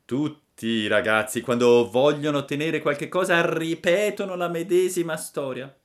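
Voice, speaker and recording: A man voicing a patient, kindly old woodcarver who lectures gently and slowly. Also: on the high side, voice pushed up, close to an everyday voice. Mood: stern.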